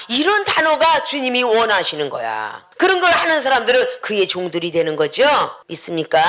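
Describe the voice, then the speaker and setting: A woman pastor giving a dramatic sermon, often shouting and acting out voices. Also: high voice. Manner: dramatic, acts out quoted voices, frequent shouting.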